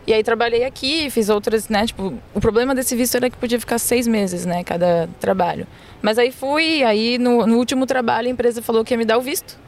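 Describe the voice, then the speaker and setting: A woman's voice: a little high, a little fast. A woman from Florianópolis, a podcast guest telling her story frankly, with slang and swearing. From Florianópolis, Brazil. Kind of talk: casual storytelling. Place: outdoors near a beach.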